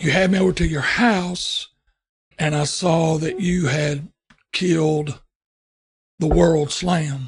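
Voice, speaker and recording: With an American accent, a man speaks very slowly at a fairly high pitch, leaving long, frequent pauses, his intonation fairly even. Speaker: podcast host and storyteller. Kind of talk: scripted intro; casual interview.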